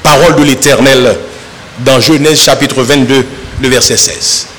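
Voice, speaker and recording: A man preaching a sermon with a French Caribbean Creole accent, reading scripture aloud slowly and emphatically, then explaining it in Creole. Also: medium pitch, steady tone, a bit bright, rough recording.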